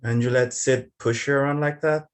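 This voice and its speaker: A man's voice: medium pitch, fairly even intonation, moderate pace, close to an everyday voice. A man playing a crude, sardonic company henchman with a blunt, needling manner, in a drama table read.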